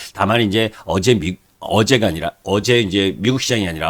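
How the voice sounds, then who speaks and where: A man's fairly low voice at a moderate pace on a very clean recording with a silent background. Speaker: stock market commentator. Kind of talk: market commentary monologue. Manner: halting.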